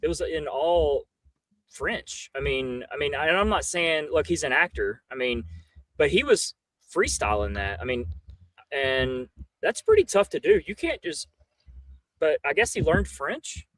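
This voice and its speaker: Male livestream panelist, fairly high voice, very dry recording, casual conversation. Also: big pitch swings, a little slow, a bit bright, no echo, poor audio. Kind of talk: casual chat.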